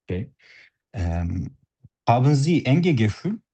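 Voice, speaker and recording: A man's voice: medium pitch, very animated, slow pace, warm tone, dull audio, a little hiss or hum. A man as a doctor taking a patient's history in a practice interview, speaking formally and politely. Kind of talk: role-played doctor-patient practice talk.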